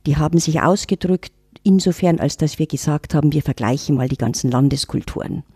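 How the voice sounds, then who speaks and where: A woman's voice: low-pitched, brisk, warm tone, slightly rough, no room sound, studio quality. A middle-aged woman, reflectively telling her story on a podcast. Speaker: intercultural trainer, guest. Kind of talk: casual podcast talk.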